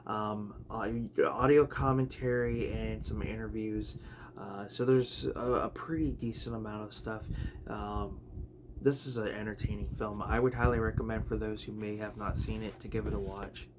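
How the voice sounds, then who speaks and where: A man chatting casually about his video collection, rambling with many fillers and restarts, his voice a bit raspy. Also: on the low side, steady tone, moderate pace. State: raspy, clearing throat. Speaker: home video collector vlogger. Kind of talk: casual unscripted chat. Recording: noticeable background noise.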